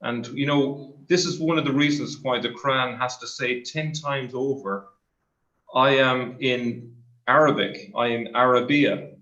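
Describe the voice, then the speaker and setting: A man's voice: medium pitch, fairly even intonation, measured pace, sharp tone. A man on a live online discussion panel who reads out viewer comments and answers them tentatively. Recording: slightly dull lo-fi mic.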